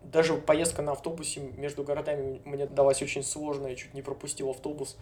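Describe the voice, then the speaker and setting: A young man from Novosibirsk talks as a guest in an easygoing chat. His voice stays flat and level in pitch, with loose hedging fillers and small chuckles. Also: fast talker, a little hiss or hum. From Novosibirsk, Siberia, Russia. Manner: relaxed, hedging with frequent fillers, chuckles often. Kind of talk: casual conversation.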